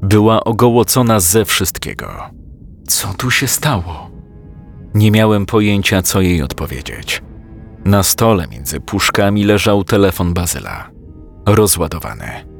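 A man calmly narrating a first-person story, voicing the dialogue himself. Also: lowish voice, vocal fry, soft background music. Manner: calm, measured storytelling with quoted dialogue.

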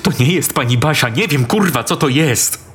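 A man's voice: mid-range voice, normal speed, pitched above the performer's own voice, close to an everyday voice. A man voicing a panicked, swearing young man of twenty-two in a horror story. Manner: frantic, shouting curses.

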